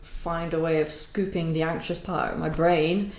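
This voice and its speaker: A woman's voice: low-pitched, steady tone, normal speed, a little mellow. A woman comedian guesting on a podcast, chatting casually, swearing, self-deprecating and laughing often. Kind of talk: casual chat. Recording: echoey room with faint hiss.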